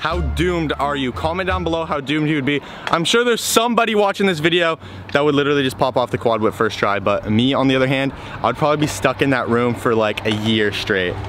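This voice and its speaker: Over music in the background, a man talks at a very fast pace with very wide pitch swings, the sound dry with no echo. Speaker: scooter vlogger. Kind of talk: casual vlog chat. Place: street. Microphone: phone near.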